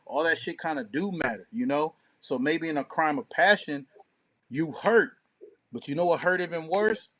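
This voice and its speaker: A man with a slightly high-set voice holds forth on a casual talk show. He speaks as a co-host trading opinions, loose and slangy, and swears freely. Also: a bit bright. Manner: slangy, profane.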